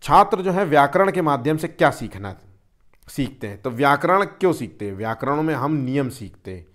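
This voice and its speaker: Male teacher with a somewhat high voice, running a patient exam-prep lecture that asks and answers its own questions. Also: very animated, fairly quick, a bit bright.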